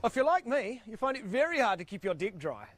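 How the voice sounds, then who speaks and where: A man with a strong New Zealand accent playing an earnest pitchman in a comic TV advert, with a broad, exaggerated sales delivery. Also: sing-song, a little fast, fairly bright tone, heavily acted. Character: earnest male home-improvement ad pitchman.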